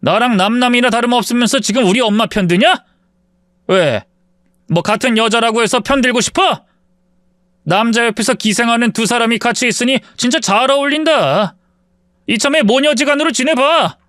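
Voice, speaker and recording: Sneering arrogant husband, as a man plays him, insulting tone, fairly high voice. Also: moderate pace, a bit bright, no room sound, studio quality. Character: arrogant, contemptuous husband in his prime.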